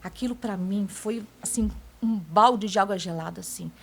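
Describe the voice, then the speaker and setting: A woman's voice: mid-range voice, normal speed, creaky, husky. A woman giving a casual spoken testimony to a pastor, telling her story and often tagging sentences with "né?". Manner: keeps addressing the listener as pastor. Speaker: church member giving a testimony.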